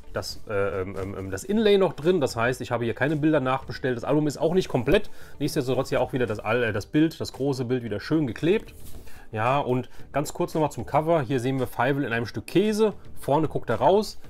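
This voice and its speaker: A man in his forties hosts a casual nostalgic show-and-tell. He rambles at a medium pitch, hesitating and repeating himself, with faint music underneath. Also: a little mellow. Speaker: YouTube host showing childhood collections.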